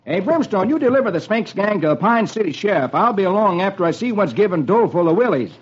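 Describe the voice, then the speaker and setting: A man voicing a brisk, commanding cowboy hero in a radio comic-strip reading. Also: high voice, sing-song, voice pushed up. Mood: hearty. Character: hearty heroic cowboy man. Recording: dull old radio broadcast, faint hiss.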